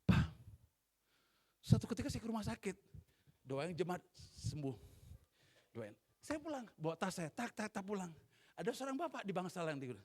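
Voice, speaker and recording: A man preaching a church sermon at a Christmas service. He tells stories in a low voice, builds to shouted climaxes, and asks the congregation to answer back. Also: big pitch swings, moderate pace, long pauses.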